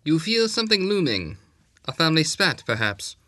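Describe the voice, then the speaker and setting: A man's voice: fairly high pitch, sing-song, moderate pace, pushed and bright, no echo, clean studio sound. An actor playing an aloof, haughty male detective in an audio drama, speaking in a pompous, clipped, theatrical way. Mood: needling.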